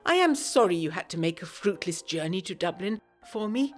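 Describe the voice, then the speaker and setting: Plucky posh 1920s lady, lowish lively voice, prim letter reading, gothic audio drama. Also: a little fast, soft background music. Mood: prim, relieved. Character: Elizabeth, plucky, well-bred 1920s Englishwoman writing letters.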